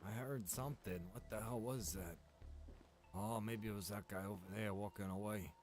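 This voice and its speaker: A man with a fairly low voice chats informally as he streams a game, with music clearly playing behind him. He talks like someone reminiscing with friends, loose and unscripted. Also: steady tone, normal speed, darkish tone. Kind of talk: casual chat while streaming roleplay game.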